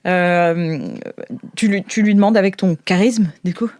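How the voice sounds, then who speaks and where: A woman's voice: on the low side, unhurried, a little mellow. A woman acting as game master, narrating an improvised tabletop game in an informal, theatrical way.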